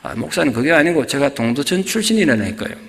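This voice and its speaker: A man's voice: on the high side, very animated, fast talker, creaky, pitched below the performer's own voice. A man quoting a scarred, earnest woman. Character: scarred tearful woman telling her past, adult. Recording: long church reverb.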